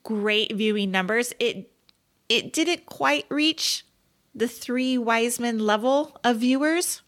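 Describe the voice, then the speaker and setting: A woman co-hosting a casual podcast, chatty and expressive, often tossing out questions. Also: on the high side, takes it slowly. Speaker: podcast co-host. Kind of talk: casual chat.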